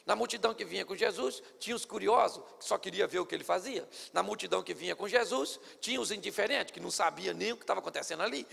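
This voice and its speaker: A man's voice: high-pitched, fast, creaky, few pauses, a bit bright, husky, long reverb tail. A male pastor preaching a sermon at a church service, theatrical and playful.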